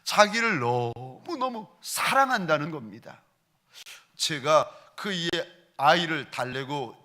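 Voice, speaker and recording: Animated male pastor preaching. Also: a little high. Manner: animated, dramatic shifts in loudness and pace. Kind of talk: sermon storytelling. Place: church sanctuary.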